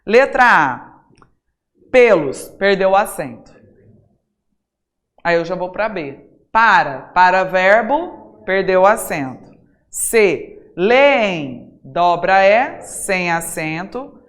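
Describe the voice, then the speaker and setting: Lively Brazilian woman teaching an exam-prep class. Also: lowish voice. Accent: Brazilian Portuguese. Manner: lively, talks straight to students, rhetorical questions; stresses single words by saying them slowly and loudly. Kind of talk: recorded classroom lesson.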